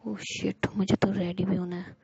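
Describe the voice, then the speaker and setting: Romantic, playful young woman, voiced by a woman narrator, breathy and pleading, low rasp, muffled home recording. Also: little pitch movement, normal speed, darkish tone, no echo. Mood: dreamy. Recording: dull lo-fi recording.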